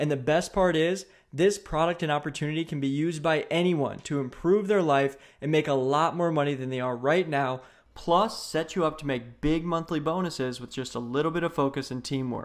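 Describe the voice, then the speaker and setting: Fairly quick and animated, a man speaks at a fairly high pitch with ordinary pitch variation, on a very clean recording with a silent background. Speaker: network marketing presenter. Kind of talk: sales pitch. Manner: fast.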